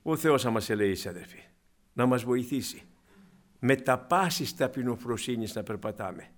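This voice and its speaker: A man preaching a sermon to his congregation, who asks them rhetorical questions and swings between soft asides and loud, emphatic cries. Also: medium pitch, animated.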